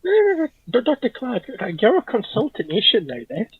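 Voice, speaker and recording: A man's voice: extremely high pitch, huge pitch swings, brisk, slightly rough, dry recording. A man chipping in with casual banter as a panellist on a livestream, over a slightly dull connection.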